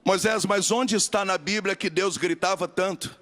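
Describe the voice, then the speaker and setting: High-voiced Brazilian man preaching. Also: moderate pace, a bit bright. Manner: emphatic, repetitive call-and-response preaching. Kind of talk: sermon. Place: live camp gathering.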